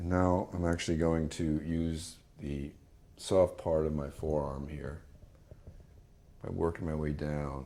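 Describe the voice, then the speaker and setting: A man speaks with a very deep, low pitch and a dark, mellow, calm tone. His intonation is monotone and flat, with long, frequent pauses. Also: fairly slow pace. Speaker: actor and massage instructor. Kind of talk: instructional massage demonstration. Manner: calm, soft-spoken.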